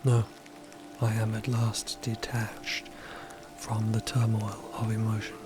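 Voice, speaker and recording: An actor voicing a detached, emotionless undead cosmic explorer in an audio drama, speaking formally and deadpan. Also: male voice, lowish voice, takes it slowly, loud music behind the voice. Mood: detached, flat. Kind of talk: dramatic audio fiction acting.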